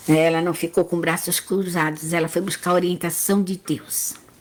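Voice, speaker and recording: Fairly even intonation marks this speech, delivered at a fairly slow pace. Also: woman. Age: 60s. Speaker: preacher. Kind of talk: sermon. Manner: halting.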